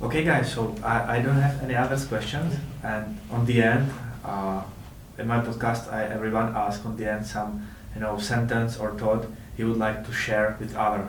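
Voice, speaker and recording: A non-native accent at a moderate pace with fairly even intonation, amid noticeable background noise and audible room echo. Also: man, medium pitch for a man. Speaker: podcast host. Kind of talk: casual podcast conversation. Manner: halting.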